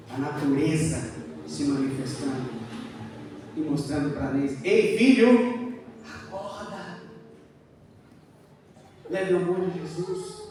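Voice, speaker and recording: A man with a Brazilian Portuguese accent preaching a sermon as a church elder, swinging between loud fervent exclamations and hushed earnest appeals. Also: medium pitch, a little hiss or hum. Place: church sanctuary. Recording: echoey hall, mic at a distance.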